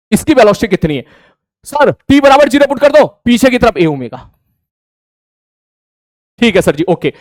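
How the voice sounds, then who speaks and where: Brief: young male physics teacher, high voice, chummy and brisk, dry close sound. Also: no room sound. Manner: brisk, chummy, calls students brother. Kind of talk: exam solution walkthrough.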